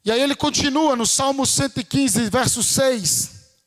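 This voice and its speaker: High-voiced Brazilian preacher. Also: male voice, unhurried, long reverb tail. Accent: Brazilian Portuguese. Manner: conversational preaching, rising to fervent shouts. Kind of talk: sermon. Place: church.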